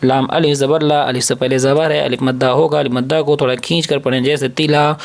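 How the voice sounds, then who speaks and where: Patient man drilling drawn-out syllables. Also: mid-range voice, little pitch movement. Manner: asks and answers his own questions. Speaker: Quran reading teacher. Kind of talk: step-by-step reading lesson.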